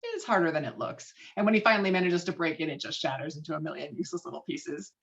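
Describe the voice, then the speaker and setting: A woman's voice: low-pitched, expressive, rapid-fire, vocal fry. A woman reading screenplay stage directions dramatically as narrator of a table read, over a video call. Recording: dull lo-fi video call sound.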